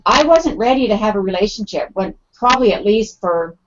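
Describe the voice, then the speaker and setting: A woman's voice: medium pitch, expressive, fairly quick. A middle-aged woman talking in a casual panel discussion, chatty and full of fillers, acting out quoted thoughts. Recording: muffled lo-fi audio.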